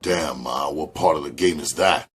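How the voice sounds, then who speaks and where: A man doing a cocky smooth-talking street hustler. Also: extremely low pitch, moderate pace, a bit bright, slight background noise. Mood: flirty. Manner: slangy, cocky street talk.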